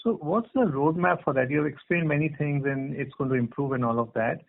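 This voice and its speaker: A man's voice: fairly high pitch, a little fast, vocal fry. A man with an Indian accent asking polite, tentatively phrased questions as a financial analyst on a conference call. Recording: narrow, muffled phone line.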